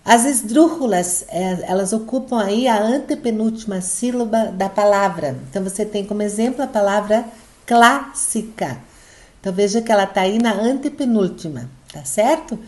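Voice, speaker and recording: Patient Brazilian woman teaching, mellow voice. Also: mid-range voice, a little fast, hardly any pauses. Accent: Brazilian Portuguese. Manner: patient, explaining step by step with frequent "tá?" checks. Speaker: Spanish teacher. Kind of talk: recorded online lesson.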